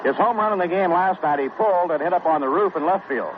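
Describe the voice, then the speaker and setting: A man doing radio play-by-play for a baseball game, brisk and even-toned, heard as an old AM radio broadcast. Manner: brisk, even-toned, reads stats between pitches. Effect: AM radio broadcast sound. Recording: tinny noisy 1960s AM radio broadcast.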